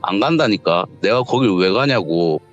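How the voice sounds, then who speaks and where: A surly man's voice, possessed by a spirit, stubbornly yells that he will not go, as a male caller acts it out in his telling. The tone is dull and lo-fi, like a voice call, with faint music underneath. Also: fairly low pitch, expressive, moderate pace, natural voice. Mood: angry shouting. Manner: stubborn, shouting refusals. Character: surly male friend, voice taken over by a spirit.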